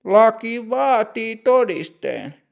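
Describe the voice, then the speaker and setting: A man voicing a strict older female bank clerk in a story lesson, speaking slowly and formally with a gravelly edge. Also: sits high, sing-song, pitched above the performer's own voice, heavily acted. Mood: stern. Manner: slow, precise, formal.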